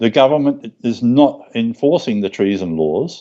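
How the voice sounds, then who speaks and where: A man's medium-pitched voice with an Australian accent and lively intonation. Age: 60s. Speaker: political activist group leader. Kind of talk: interview.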